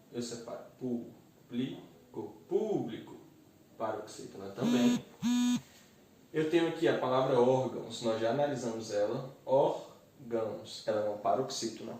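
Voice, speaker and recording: A man's voice: medium pitch, darkish tone, slight background noise. Echoey, distant man teaching. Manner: methodical, spells out syllables slowly. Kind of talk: explaining grammar exercises. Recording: very echoey room, distant mic.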